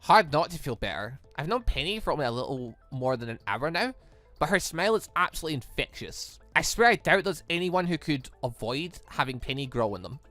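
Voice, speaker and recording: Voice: mid-range voice, big pitch swings, a little fast, pushed and bright, soft background music, pitched below the performer's own voice. A performer voicing an easygoing, wry young man who narrates a visual novel in the first person. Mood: reflective.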